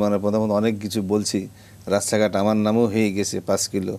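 A man's fairly low-pitched voice, dark and mellow in tone, with monotone, flat intonation. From Chuadanga, western Bangladesh; western Bangladesh. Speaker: war veteran. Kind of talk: interview. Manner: halting. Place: studio. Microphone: lapel.

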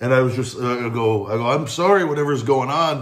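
The man's voice is somewhat breathy, and its pitch varies in an ordinary way. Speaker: vlogger. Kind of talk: casual vlog chat. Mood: amused, storytelling. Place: home room. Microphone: phone near.

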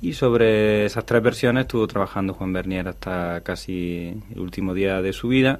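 The intonation here is fairly even. A man speaks with a fairly low pitch. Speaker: poet and editor of the diary. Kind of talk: reading aloud a literary diary excerpt. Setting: radio studio. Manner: measured, solemn, expressive reading pace. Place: studio. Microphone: studio mic.

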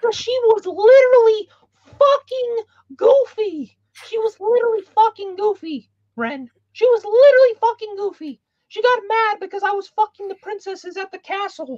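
An extremely high-pitched, put-on character voice is delivered at a moderate pace. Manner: joking, crude.

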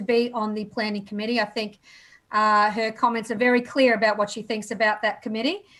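In an Australian accent, a woman speaks at a fairly quick pace against a quiet background. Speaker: deputy mayor, former teacher; city councillor. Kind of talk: council debate speech. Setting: council chamber. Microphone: video call.

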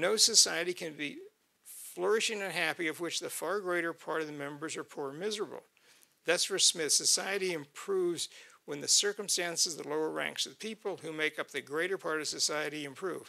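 Against a quiet background, a man with a high pitch and a bright, sharp tone talks at a fairly quick pace. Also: ordinary pitch variation. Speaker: economics professor. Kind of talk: academic paper presentation. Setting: conference room with audience. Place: hall. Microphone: podium.

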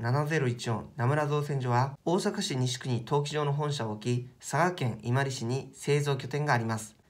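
Speaking at a moderate pace is a man. His voice is fairly high in pitch. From Saga Prefecture, Japan. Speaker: individual investor and YouTuber. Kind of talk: casual solo video narration, unboxing shareholder mail. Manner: casual, conversational. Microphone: phone near.

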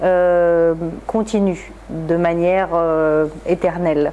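A woman speaks at a fairly low pitch. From France. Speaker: film director. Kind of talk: interview. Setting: film festival in Moscow. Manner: hesitant, many fillers. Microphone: lapel.

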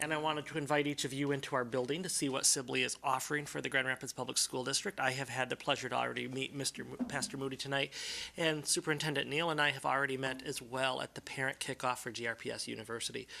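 Speaking at a very fast pace with hardly any pauses, a man uses a medium pitch and fairly even intonation. His tone is bright and sharp, with vocal fry. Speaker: elementary school principal. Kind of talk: public comment at board meeting.

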